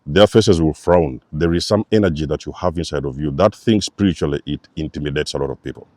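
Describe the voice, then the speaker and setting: With a bass voice that is a little mellow and a brisk pace, this spiritual-channel host preaches to viewers in an emphatic, repetitive way. There's no echo in the recording.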